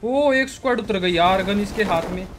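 A man streaming a mobile battle game, chatting casually and pleading excitedly with other players. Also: high-pitched, moderate pace, music in the background. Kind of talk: casual gaming commentary.

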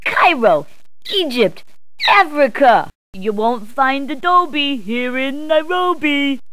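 A brash video game policewoman. Her voice is very high and swoops widely as she gives directions. The delivery is playful, punning and emphatic, in a dry, close recording. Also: lively intonation, takes it slowly, fairly bright tone, no echo, exaggerated voice. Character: brash, jokey New York policewoman giving directions. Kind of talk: scripted video game character clips.

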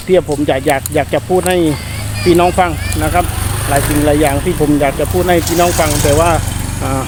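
A man talking casually to viewers in an explanatory vlog, hesitant and repetitive, with many drawn-out filler pauses. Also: a little high. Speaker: soldier vlogger addressing viewers. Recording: noisy outdoor recording with insect ambience.

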